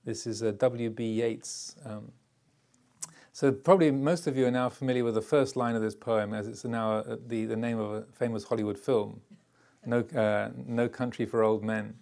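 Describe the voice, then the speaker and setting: An older man gives a calm dharma talk to a retreat group. His voice sits at an ordinary male pitch and carries a gravelly edge. He pauses often and restarts his phrases as he thinks aloud. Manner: halting and reflective, with frequent hesitations. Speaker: Buddhist teacher.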